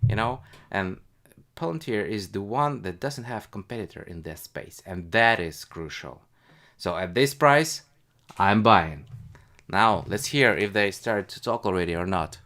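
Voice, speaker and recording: A man hosting a casual live stream as a retail investor, thinking aloud in a halting, hesitant way. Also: fairly low pitch, animated, fairly bright tone. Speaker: livestream host, retail investor.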